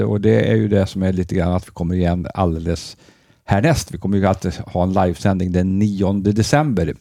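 A man's voice: low voice, creaky, mellow, dry recording, clean studio sound. A man hosting a radio show, chatting casually and hesitating with many filler sounds.

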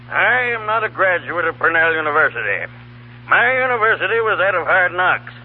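A pompous senator with a high male voice, declaiming self-importantly. It sounds like a tinny 1930s radio newsreel. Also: big pitch swings, moderate pace. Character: pompous, folksy male senator making a statement.

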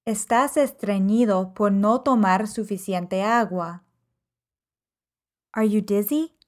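A woman teaching a language lesson podcast, reading example sentences in measured, carefully enunciated phrases. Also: mid-range voice, darkish tone. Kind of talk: slow, clear podcast lesson.

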